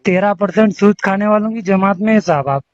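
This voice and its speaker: A man's voice: high voice, brisk, a loud crowd. A man with a Hyderabadi accent on a phone call, pressing his point in an argumentative, interrupting way. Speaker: caller, news channel interviewer. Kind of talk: confrontational phone conversation. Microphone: telephone. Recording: dull lo-fi phone call recording.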